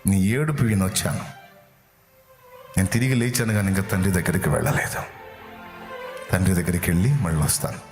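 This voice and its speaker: A man doing a deep, gentle risen teacher. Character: calm risen male teacher, gentle and commanding. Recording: roomy echo. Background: faint music.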